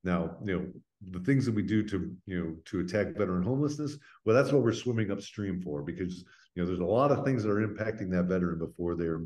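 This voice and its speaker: Middle-aged American male interview guest. Deep, soft-edged tone, earnest and unpolished conversational explainer. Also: quick pace, few pauses. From United States. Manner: earnest, plain-spoken, often checks with "right?". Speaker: interview guest, veterans' foundation representative.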